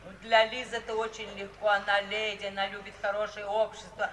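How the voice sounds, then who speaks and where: A woman's voice: medium pitch, level tone, fairly quick, a bit bright, natural voice. An actress playing a worldly middle-aged mother in an old radio play, with an emphatic, pleading theatrical delivery. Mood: pleading, defensive. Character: worldly middle-aged mother, brothel owner, coaxing and defensive. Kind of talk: 1950s Russian radio theatre acting. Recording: echoey, distant 1950s radio play with hiss.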